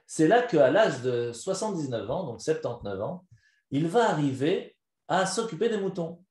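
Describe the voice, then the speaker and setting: A man, a rabbi, giving a live lesson as a story, animated and quizzing his listeners. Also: on the high side, normal speed. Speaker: rabbi teaching a class. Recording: echoey room.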